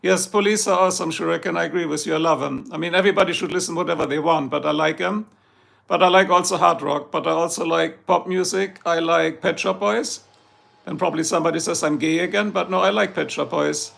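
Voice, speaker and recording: A hoarse middle-aged man with a German accent, his voice heavily gravelly and a touch higher than most men's. He rambles and jokes with his livestream viewers in a loose, chatty way. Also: fairly even intonation, fast talker, a bit bright. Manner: joking, chatty, reads out viewer comments. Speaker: livestream host. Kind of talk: rambling casual chat with viewers.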